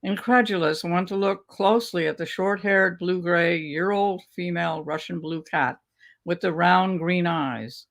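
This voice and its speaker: An older woman reading her own memoir aloud over a video call from a home study, with a measured, unhurried storytelling manner. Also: lowish voice. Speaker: author reading her work. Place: home study lined with bookshelves. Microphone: video call webcam.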